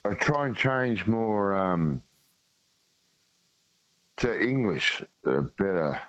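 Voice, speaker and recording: A man with a broad Tasmanian Australian accent, calling in to a radio show and talking in a slow, halting way with many fillers. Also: lowish voice, sing-song, fairly bright tone. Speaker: caller. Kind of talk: casual call-in chat. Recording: dull lo-fi phone line.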